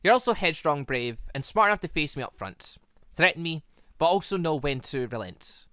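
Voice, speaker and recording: A man voicing a menacing, manipulative young woman villain in a visual novel, deliberate and coolly playful. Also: fairly high pitch, lively intonation, sharp tone, dry recording, studio quality. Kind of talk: visual novel character read-aloud.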